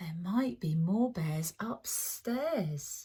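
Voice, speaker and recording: A woman's put-on character voice at medium pitch, gentle and warm in tone. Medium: read story. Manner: gentle, warm.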